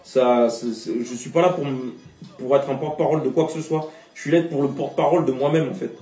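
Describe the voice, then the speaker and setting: A rapper from French Guiana gives an interview, speaking passionately and emphatically with outspoken opinions. His mid-range voice is warm, fast and fairly even in intonation, recorded with roomy echo, a distant mic and faint music.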